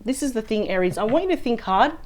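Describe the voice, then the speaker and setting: A woman reading tarot cards, chatty and thinking aloud. Her voice is husky and a little weak after a sore throat. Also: a little high, lively intonation, fast. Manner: chatty and thinking aloud, often adds "right?". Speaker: tarot reader. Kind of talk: weekly tarot card reading.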